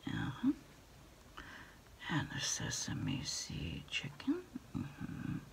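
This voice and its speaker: In a quiet ASMR roleplay, a middle-aged woman whispers one side of a phone call, haltingly taking someone's takeout order in a hushed voice.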